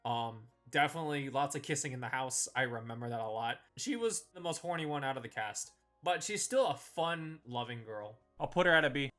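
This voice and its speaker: Guy doing casual tier list commentary, bright forward voice, really animated, slangy and chatty. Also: mid-range voice, a little fast, few pauses, faint music behind. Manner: informal, conversational, slangy. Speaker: video host reviewing visual novel characters.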